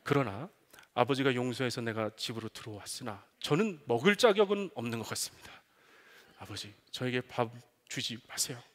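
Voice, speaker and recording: Brief: man acting out a schoolboy son, meek and mumbling or loud and whiny, shifting pitch widely. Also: animated, normal speed, lightly acted. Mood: meek, groveling. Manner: exaggerated pleading, then whiny demands.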